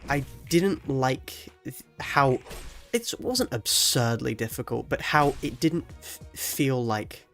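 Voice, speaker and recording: A young man with a heavy cold talks through a live stream, his voice nasal and blocked up with a gravelly fry underneath. He keeps his volume down and the energy low, laughing quietly and swearing at the game, while faint game music plays behind him. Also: animated, takes it slowly. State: stuffy nose from a cold. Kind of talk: casual live-stream chat while playing.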